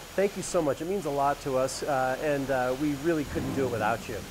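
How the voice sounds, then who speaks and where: Noticeable background noise is heard as a man speaks. He moves at a fairly quick pace, his pitch varying in an ordinary way. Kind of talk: casual vlog chat. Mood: friendly, upbeat. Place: garage. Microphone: lapel.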